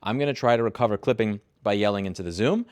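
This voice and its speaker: A man with an American accent testing microphones, talking bluntly with swearing, his voice going hoarse from yelling. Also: lowish voice, fast talker, no echo, studio quality. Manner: blunt, profane, swings into shouted test phrases. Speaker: host. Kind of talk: opinionated gear review and mic test. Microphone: close mic, about a fist from the mouth.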